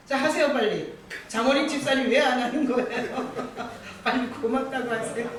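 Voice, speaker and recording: Pastor preaching from the pulpit, chatty storyteller with jokes, big echo, sounds a ways off from the mic, faint room hum. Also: medium pitch. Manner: warm storytelling with gentle humor; addresses congregation members by name. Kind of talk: sermon. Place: church sanctuary, from the pulpit. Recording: very echoey hall, voice from far off.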